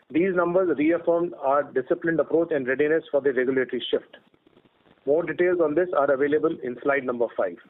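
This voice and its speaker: A man with an Indian accent delivers a scripted corporate presentation. His voice sits a little higher than most men's, and he speaks formally and steadily, like an executive reading prepared remarks. The sound is thin and narrow, as heard over a telephone conference line. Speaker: company executive presenting results on an earnings call.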